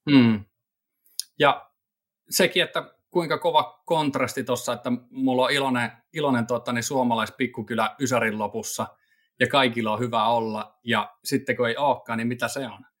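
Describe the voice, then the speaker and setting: Rambling relaxed man chatting. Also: mid-range voice. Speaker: podcast co-host living in Japan. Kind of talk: casual chat.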